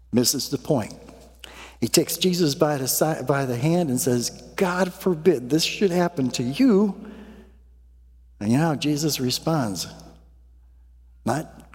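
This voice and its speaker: A man preaching a sermon, warming up with a folksy made-up story before turning to the gospel lesson. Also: medium pitch, big-room sound. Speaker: pastor.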